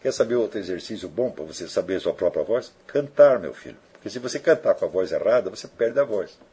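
A man with a low, heavily husky voice talks through an informal lecture as a teacher. He keeps checking in with his listeners with short tag questions, and his pitch moves up and down with lively variation. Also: quick pace.

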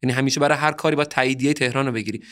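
A man from Bushehr in southern Iran talks as a podcast guest in a loose, conversational way. He is earnest and opinionated, and his delivery gets heated at times. His voice sits at a middle pitch. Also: fairly even intonation, fairly bright tone.

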